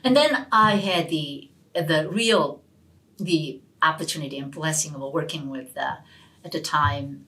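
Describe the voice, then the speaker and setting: A middle-aged woman professor, an English speaker, telling stories in an interview, animated and often restarting her words. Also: sits low, a little slow, poor audio. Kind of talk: storytelling interview answers. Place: university hall.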